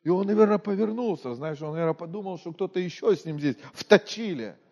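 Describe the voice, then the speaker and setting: A preacher from Moldova with a high voice for a man, talking through his sermon like a conversation. He quizzes the congregation and often sinks to a near-murmur. His words ring out with a long hall reverb. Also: animated, a little fast, dull audio. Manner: conversational, asks the congregation questions, often drops to a quiet voice.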